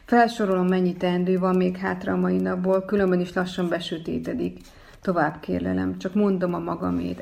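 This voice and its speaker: A woman reading a first-person story aloud as narrator, in a calm, measured way. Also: on the low side, creaky, a little hiss or hum.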